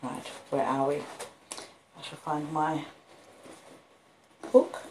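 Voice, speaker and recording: An Australian woman hosts a casual livestream in a low-pitched voice. She takes her time, rambling and pausing as she goes. The home recording in a front room carries some faint background noise. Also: level tone, a little mellow. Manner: unhurried, rambling, with halting pauses. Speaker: host of a live-streamed book reading. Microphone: phone and an old laptop. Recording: noisy home phone recording. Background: street noise, house creaks, puppy, lo-fi beats.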